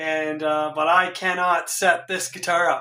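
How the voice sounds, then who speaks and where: A man is speaking. His tone is bright and sharp. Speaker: guitar tech YouTuber. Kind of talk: casual vlog talk.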